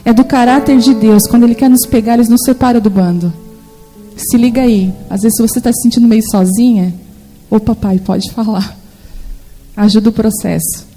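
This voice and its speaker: A Brazilian woman in her forties preaching a sermon with lively, animated storytelling in which she acts out the voices she quotes. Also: on the high side, low-quality recording. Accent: Brazilian Portuguese.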